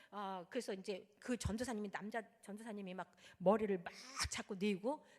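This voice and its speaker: In a church sanctuary, a woman pastor tells a story as a sermon testimony, acting out the prayers and words of its characters. Her mid-range voice is slightly rough, and the hall adds noticeable reverb.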